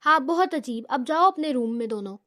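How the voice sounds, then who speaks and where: A woman voicing a bossy young man in a storybook reading, brisk and commanding. He is given a high voice, and the recording is dry and close. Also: animated, sharp tone, no room sound, full character voice. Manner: brisk, ordering others about. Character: young man, bossy and protective of his friend.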